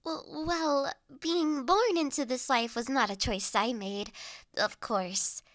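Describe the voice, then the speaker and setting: High-voiced, unhurried noblewoman, acted by a woman. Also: no echo, studio quality. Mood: gracious, composed. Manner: formal, genteel phrasing, measured with soft trailing endings. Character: refined young noblewoman, mine overseer, poised, authoritative yet kindly. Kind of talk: scripted audio roleplay addressed to listener.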